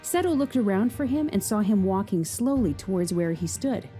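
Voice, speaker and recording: A woman reads a dramatic story aloud, with a mellow, darker tone. Her delivery is measured and scripted, and it leans into tense moments. Faint music plays underneath. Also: medium pitch, animated. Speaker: narrator.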